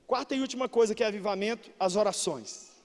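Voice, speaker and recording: A Brazilian man with a Brazilian Portuguese accent preaching a sermon as pastor, emphatic, breaking into shouts and then dropping low. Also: fast talker. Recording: long reverb of a large hall.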